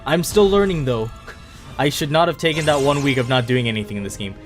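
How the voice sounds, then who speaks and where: A man's voice: medium pitch, quick pace. A man casually commenting on his own mobile game play, rambling and self-mocking with frequent laughs. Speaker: gaming YouTuber. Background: faint game music.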